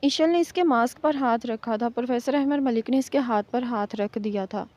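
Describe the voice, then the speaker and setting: High-voiced woman reading a novel. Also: a little mellow. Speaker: novel reader. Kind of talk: scripted audiobook narration. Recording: muffled lo-fi recording.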